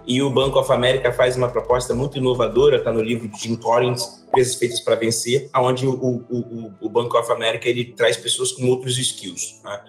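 Speaking from an office with large windows, a man in his forties from Salvador, Brazil, is interviewed as a guest over video call. The finance educator has a mid-range voice and explains things animatedly with both hands, though the audio is rough and the room echoes.

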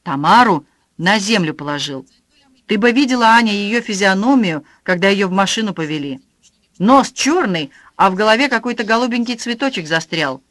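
An audiobook reader voicing a brisk, motherly older woman who teases. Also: medium pitch, lively intonation, fairly bright tone, no room sound, natural voice. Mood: amused.

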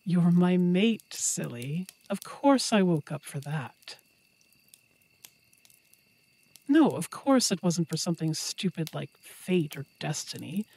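A woman's voice: fairly low pitch, big pitch swings, measured pace, creaky, hardly any pauses, warm tone, slightly rough, exaggerated voice. Woman acting as werewolf girlfriend, playful, possessive, affectionate, teasing, intimate audio roleplay. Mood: playful, fond.

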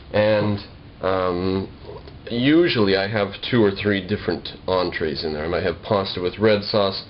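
A young American man talking casually to the camera in a wry, slightly formal way, explaining things in a homemade vlog. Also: lowish voice. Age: young adult. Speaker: video blogger. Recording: dull lo-fi home video with noise.

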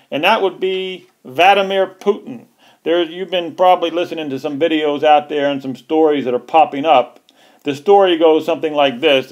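A man hosting a political commentary video, talking in an emphatic, repetitive and heated way. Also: fairly high pitch.

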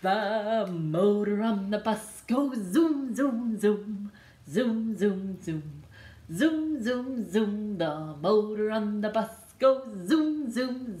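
Woman librarian, very slow sing-song, bouncy sound effects, echoey living room. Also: mid-range voice, lively intonation, darkish tone. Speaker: children's librarian. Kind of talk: singing a picture book for babies. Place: living room with a couch and a decorated wall.

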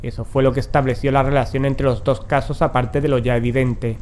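A man playing a grave, determined occult investigator in a horror audio drama, speaking in a solemn, measured way. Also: mid-range voice, little pitch movement, darkish tone, a little hiss or hum, close to an everyday voice. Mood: grave, ominous.

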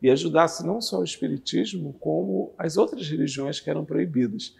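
A man in his fifties, a guest on a TV interview, calmly explaining a religious doctrine with lively hand gestures, on a lapel mic in a curtained studio. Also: a little high, fairly quick, gravelly, slightly rough, in a large hall. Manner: animated, gestures with both hands while talking. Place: TV studio with red curtain backdrop.

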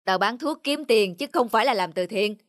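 A woman voicing a gruff, stingy male medicine seller in a cartoon, speaking harshly and scornfully, with music playing underneath. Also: fairly high pitch, expressive, brisk, no echo, clean studio sound, pitched below the performer's own voice, close to an everyday voice. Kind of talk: cartoon voice acting.

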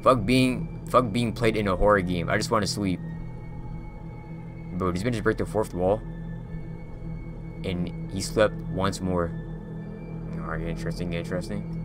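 A young man giving casual, profane commentary as he plays a horror game, often breaking into loud yelps and swearing at what happens on screen. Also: low voice, a little slow, long pauses, music in the background. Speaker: gaming YouTuber.

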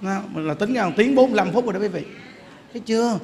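A Buddhist monk giving an animated sermon, joking as he tells stories and addresses the audience directly. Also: sits high, racing, long reverb tail, some chatter behind, a little hiss or hum. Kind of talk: lively sermon.

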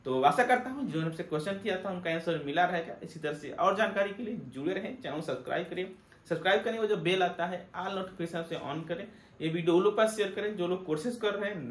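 A man's voice: high-pitched, fairly bright tone, echoey room. A young man, host of a technician channel, explaining to the camera and asking himself rhetorical questions as he teaches. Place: indoor room with plain backdrop.

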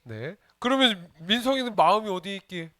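A man's voice: sits high, animated, a little fast, a bit bright, no echo. A man, a junior pastor, giving a playful children's sermon and asking the kids questions as he goes. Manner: playful, asks the children questions and jokes with them.

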